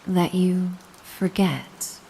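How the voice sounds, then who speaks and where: A mysterious, doting caretaker acted by a woman speaks in a low, hushed-lullaby register for a hypnosis audio drama. She takes her time, gently coaxing and reassuring in an ASMR-like way. A faint wash of rain sits behind the voice. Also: drawn-out words, creaky, slight background noise, full character voice, rough recording. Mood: hypnotic, tender. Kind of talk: slow soothing hypnosis roleplay, ASMR-like.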